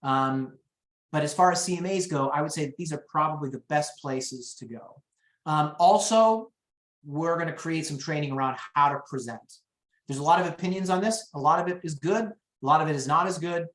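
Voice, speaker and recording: A man's voice: fairly high pitch, brisk. Storytelling man teaching in an echoey room. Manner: lively storyteller, acts out quotes. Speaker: real estate trainer. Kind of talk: training webinar.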